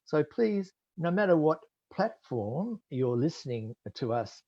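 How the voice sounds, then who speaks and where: A man hosting a webinar, introducing a guest in an unhurried way with many pauses, over a video call. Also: a little high, very animated, warm tone. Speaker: webinar host. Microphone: computer mic on video call. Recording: dull lo-fi video call audio.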